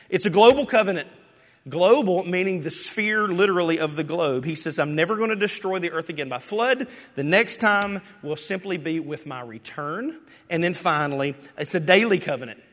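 A lively preacher delivers his sermon with a bright, forceful edge to his fairly high voice. He swings between loud emphatic bursts and hushed near-whispers. The sound carries the long reverb of a large hall. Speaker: pastor. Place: church sanctuary.

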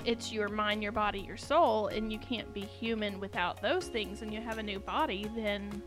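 A woman's voice: mid-range voice, steady tone, normal speed, music in the background. A woman co-hosting a casual faith chat, friendly and chatty. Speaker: co-host.

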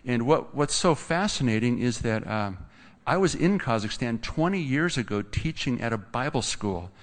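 A man's voice: mid-range voice, animated, normal speed. A man, a pastor, making casual announcements from the pulpit with teasing asides to a guest. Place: church sanctuary. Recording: long church hall reverb.

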